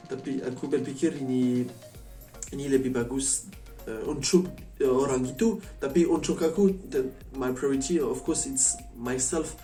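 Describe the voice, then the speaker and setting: A man from France with a French accent chatting casually as a vlogger, a foreigner speaking halting learner's Indonesian and often slipping into English. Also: medium pitch, fairly even intonation, dark tone. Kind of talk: casual chat to camera. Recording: echoey room, distant mic, faint music.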